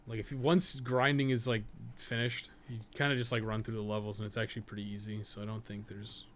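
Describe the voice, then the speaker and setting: A man's voice: lowish voice, a little fast. A man giving casual gameplay commentary, rambling and thinking aloud, with casual swearing. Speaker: podcast co-host playing a game. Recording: clear steady background noise.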